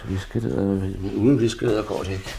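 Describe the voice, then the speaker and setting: Artist, male, low gravelly voice, rambles and mutters to himself while drawing. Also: steady tone, dark tone, a little hiss or hum. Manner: rambling, self-murmuring, often drops to a near mutter. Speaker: artist demonstrating pastel drawing. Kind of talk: thinking aloud while drawing.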